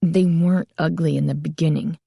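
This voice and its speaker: Hushed sorrowful shop owner guy done by a lady reader, low and soft, mellow. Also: steady tone, measured pace, creaky, no echo, studio quality. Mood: bitter. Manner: soft, hushed, half-whispering. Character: quiet sorrowful male mask maker.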